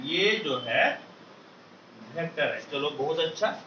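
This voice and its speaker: Male maths teacher, keeps firing questions for the class to shout back; distant, lo-fi mic. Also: a little high, lively intonation, takes it slowly, reverberant, slight background noise. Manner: drills students with call-and-response questions. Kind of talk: classroom lecture.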